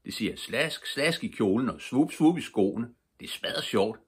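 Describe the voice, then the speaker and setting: An older man reading aloud, voicing a cheeky, fearless little girl in a lively, bold and playful way. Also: medium pitch, slightly rough, pitched above the performer's own voice. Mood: merry. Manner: lively, bold, full of fun.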